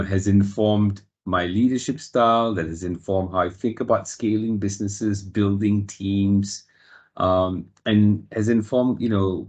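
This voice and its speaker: Low, flat-voiced man from Singapore. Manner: measured, reflective, with frequent fillers. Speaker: guest. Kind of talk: interview answers.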